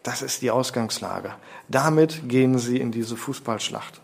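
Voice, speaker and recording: A man preaching a sermon, lecturing with rhetorical questions and slowing down to stress key phrases. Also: mid-range voice, gravelly, breathy edge.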